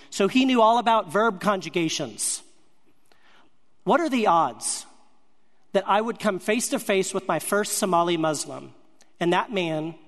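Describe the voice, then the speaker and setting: A man with a notably high voice shares a ministry testimony from the pulpit as a storytelling sermon. He is earnest and measured, his thoughts emerging in short, broken-up phrases, and a large hall gives his words a long reverb.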